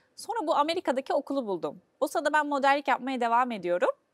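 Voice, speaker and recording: Against a quiet background, a woman talks very fast at a high pitch with very wide pitch swings. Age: 30s. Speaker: food content creator. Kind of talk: casual chat. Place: studio.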